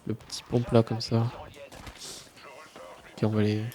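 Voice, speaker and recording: Here the streamer sounds lowish and a little slow, with slight background noise, still stuffy from a cold while chatting through live gameplay. His manner stays relaxed, with mumbled asides and plenty of fillers.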